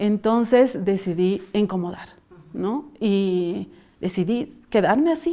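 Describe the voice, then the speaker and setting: Lively intonation marks a woman's voice with a dark, mellow tone. The recording is very clean, with a silent background. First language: Aymara (speaking Spanish). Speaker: radio broadcaster and feminist activist. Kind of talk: interview.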